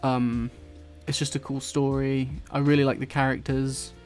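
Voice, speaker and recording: A man with an English accent softened by London, chatting casually and rambling while he draws, swearing now and then and dropping his t's. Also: medium pitch, level tone, normal speed, soft background music. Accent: English, London-influenced. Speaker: YouTuber drawing on stream. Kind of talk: casual chat while drawing.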